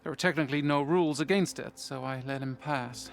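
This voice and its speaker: An actor playing a stern but fair tribal soldier commander in a video game, speaking in a measured, matter-of-fact way. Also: male voice, fairly high pitch, gravelly, a little hiss or hum. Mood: explanatory. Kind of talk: video game character acting.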